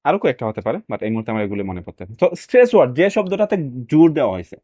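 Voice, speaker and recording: A man's voice: medium pitch, big pitch swings, rapid-fire, mellow, dry recording. A man teaching a reading lesson in casual speech, dropping English phrases in as he explains. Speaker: IELTS reading tutor. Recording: dry, dull lo-fi sound.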